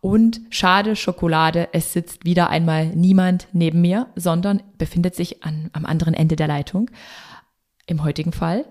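Lively woman hosting a podcast. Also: fairly low pitch, moderate pace. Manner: lively, curious, conversational. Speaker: podcast host. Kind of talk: podcast interview. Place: recording studio.

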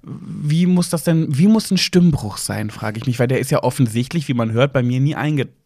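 30s guy podcasting, kinda high light voice, joking around, dry mic. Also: a little mellow, dry recording. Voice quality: fairly high, light male voice. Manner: playful, fast, self-mocking. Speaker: podcast co-host. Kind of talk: casual podcast chat.

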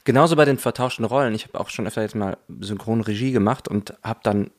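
A man hosting an interview, a voice actor and dubbing director who speaks briskly and animatedly, turning to address the listeners. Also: fairly low pitch. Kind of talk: casual interview.

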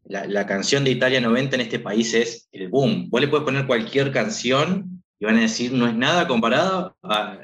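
A man's voice: mid-range voice, normal speed, hardly any pauses, a bit bright. Man, 30s, Argentine accent, rambling guest, many fillers, casual. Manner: rambling, lots of filler "este". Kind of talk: casual chat.

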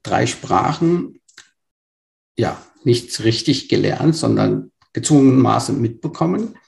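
Brief: gravel-voiced man in his fifties, born in Burma, interview guest, halting and thoughtful. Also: medium pitch, expressive, darkish tone. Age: 50s. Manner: hesitant, many fillers and restarts. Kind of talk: conversational interview storytelling.

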